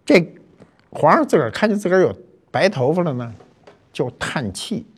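An older man, hosting a talk show and telling a history story in a chatty, colloquial way with lively asides. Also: on the high side, normal speed, slightly rough. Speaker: host.

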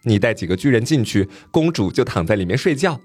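A wise talking white horse from a fairy tale, as a male podcast storyteller puts it on, speaking with steady, instructing calm. The pitch moves in a lively way, and the recording is close and dry. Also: fairly quick, breathy edge, dry recording. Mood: calm advice.

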